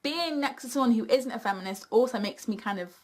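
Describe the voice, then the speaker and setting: A young woman with a British accent and a fairly high voice chats casually as a video host. She is blunt and opinionated, telling things like stories to friends. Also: fast. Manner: blunt, sweary, animated storytelling. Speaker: video host reading viewer questions.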